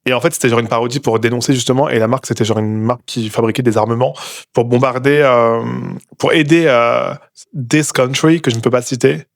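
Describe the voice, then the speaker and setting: A man's voice: medium pitch, fairly even intonation, a little fast, no echo, clean studio sound. Rambling French man hosting a podcast. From Bordeaux, France. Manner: rambling, hesitant, many fillers, sarcastic. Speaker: podcast host. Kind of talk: casual comedic podcast rant.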